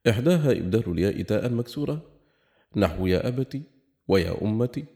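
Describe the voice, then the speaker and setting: A man giving a formal reading of a classical grammar treatise. His recitation is measured, and he slows down on each quoted example. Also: lowish voice, dark tone. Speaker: reader of a classical grammar text.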